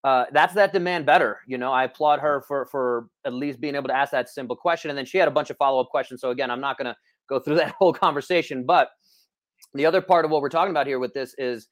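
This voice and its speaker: A man's voice: mid-range voice, fast talker. A man, a personal trainer, chatting energetically on an online call, with many restarts. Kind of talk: casual podcast chat.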